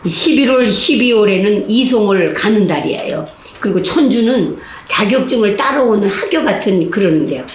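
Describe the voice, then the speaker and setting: An older woman, a Catholic nun, telling stories, acting out the voices of the people in them. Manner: animated, acts out voices of inmates and guards with big pitch jumps. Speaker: Catholic nun giving a laughter-therapy talk. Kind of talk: lively storytelling lecture. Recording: echoey hall with faint noise.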